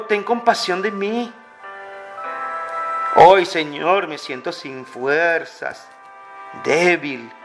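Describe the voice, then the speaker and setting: A man leading a slow, fervent spoken prayer, pleading and pausing often. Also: a little high. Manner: pleading, fervent, many pauses. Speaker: prayer leader. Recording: clear music bed under the voice. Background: music.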